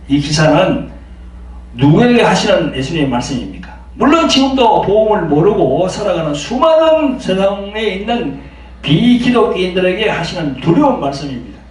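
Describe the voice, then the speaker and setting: A man preaching a sermon as a pastor, emphatic and full of rhetorical questions, swinging between loud and soft. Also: high-pitched, heavy reverb, recorded from a distance, rough recording.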